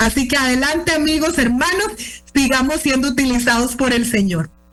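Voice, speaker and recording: Music plays behind a woman whose high-pitched voice moves with lively intonation at a moderate pace, her loudness very even and the room echo audible. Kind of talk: seminar talk, sermon-like.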